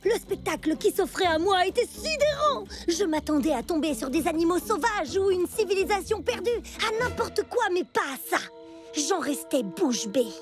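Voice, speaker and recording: High, swooping, theatrical little girl storyteller. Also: big pitch swings, moderate pace, over music. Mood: suspenseful. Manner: theatrical, exclamatory. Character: plucky girl scout telling a tall adventure tale. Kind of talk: dramatic cartoon storytelling.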